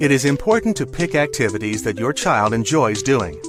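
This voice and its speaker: Background music under a man's fairly slow speech. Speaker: voice actor. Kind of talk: e-learning narration. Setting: studio. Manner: authoritative, approachable.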